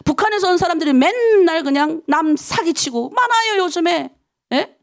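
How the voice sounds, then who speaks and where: Lively high-voiced woman pastor preaching. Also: moderate pace. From North Korea. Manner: lively, emphatic, talks to the congregation with rhetorical questions. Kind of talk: dawn prayer sermon.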